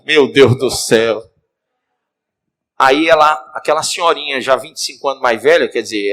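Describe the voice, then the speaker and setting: A man preaching in a church, telling a story as a sermon and calling out to the congregation, with a Cearense Brazilian Portuguese accent. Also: mid-range voice. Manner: animated, addresses the congregation directly. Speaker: bishop, preacher.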